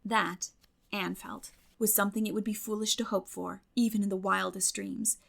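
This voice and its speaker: A woman audiobook narrator reading literary fiction expressively, with measured storytelling phrasing. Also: medium pitch, fairly even intonation, gravelly, fairly bright tone.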